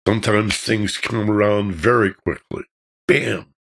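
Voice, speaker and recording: Deep, husky man teaching a class. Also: lively intonation, a little slow. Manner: conversational, illustrates points with acted-out quotes and examples. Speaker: class teacher of meditation and visualization techniques. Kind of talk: informal spoken lecture to a class.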